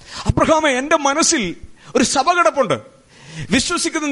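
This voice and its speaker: Raising and projecting his voice, a man talks at an extremely high pitch with an animated tone. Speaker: preacher. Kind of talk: sermon.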